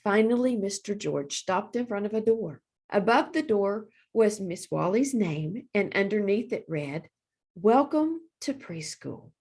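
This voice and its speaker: Woman, children's librarian, storybook read-aloud, mid-range voice, expressive deliberate phrasing. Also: medium pitch, breathy edge.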